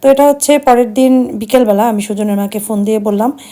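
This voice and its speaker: A middle-aged woman from Bangladesh narrating her vlog in a soft, subdued, reflective way, sounding sad and tired. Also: fairly high pitch, a little fast. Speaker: vlogger.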